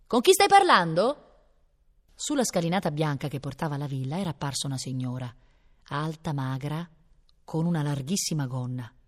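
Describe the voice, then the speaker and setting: A woman reads a novel aloud in a low, expressive voice and shifts into each character. A long reverb hangs around her. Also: fairly quick. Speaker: audiobook reader. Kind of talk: literary reading aloud.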